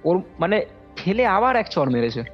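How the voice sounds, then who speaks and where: A young man with a high-pitched voice recounts his own experience on a call at a moderate pace. He's animated and rambling, repeating himself and acting out quotes as he tells the story casually. The lo-fi call recording sounds dull, with music underneath.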